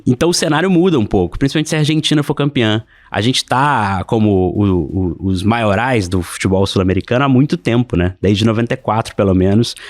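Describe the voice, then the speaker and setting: Fast-talking Brazilian man, dry sound. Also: on the low side, darkish tone, no room sound. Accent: Brazilian Portuguese. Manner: fast, hesitant, repeats words. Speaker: newspaper sports editor, guest. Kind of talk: podcast interview.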